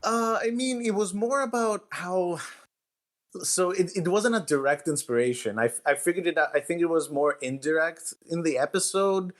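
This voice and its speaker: A man chatting casually as a guest author, halting and thinking aloud as he goes. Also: high voice. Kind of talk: casual chat.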